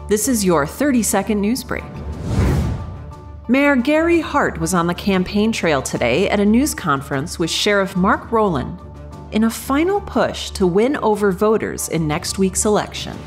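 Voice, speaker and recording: A woman's voice: mid-range voice, sing-song, moderate pace, soft background music, natural voice. A woman playing a composed local radio newsreader, delivering a scripted bulletin in a formal announcer manner. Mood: composed, businesslike.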